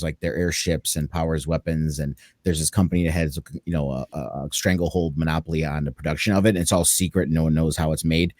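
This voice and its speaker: A man's voice: very deep voice, a little mellow, dry recording. A man on a casual podcast, rambling through a story idea with frequent restarts. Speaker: podcast co-host. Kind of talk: casual chat.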